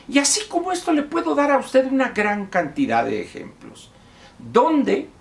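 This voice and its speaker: A man's voice: on the high side, creaky, fairly bright tone. A man with a Mexican accent giving a lecturing monologue of commentary, posing rhetorical questions to the viewer. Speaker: political commentator.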